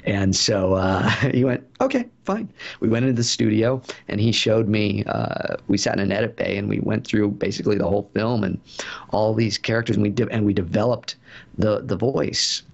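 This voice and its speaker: A man's voice: lowish voice, normal speed, creaky, muffled recording. A man being interviewed about his voice acting work, telling stories in a chatty way with many fillers and restarts. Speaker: voice actor guest. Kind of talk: casual interview answers.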